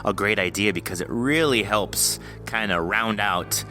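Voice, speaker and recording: A man's voice: on the low side, unhurried, sharp tone, faint music behind. A man hosting a podcast in a casual, effusive, rambling and jokey interview style. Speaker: podcast host.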